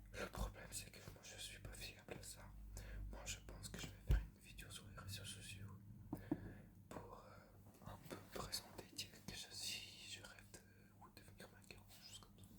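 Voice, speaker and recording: A man is whispering at a moderate pace, leaving long, frequent pauses. His loudness swings widely. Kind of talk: ASMR video. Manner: soft-spoken, whispered.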